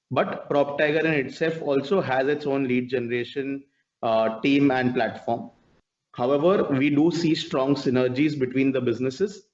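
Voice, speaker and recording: A man with a mid-pitched voice speaks over slightly muffled conference call audio. He explains business figures as a company executive, in a measured and formal manner. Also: darkish tone. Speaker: company executive answering analysts. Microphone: conference call line.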